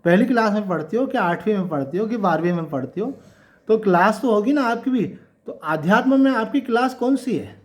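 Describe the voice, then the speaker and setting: A man giving a conversational devotional sermon, asking his listeners rhetorical questions and reciting couplets slowly. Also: sits high, animated. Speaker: swami giving a Gita discourse.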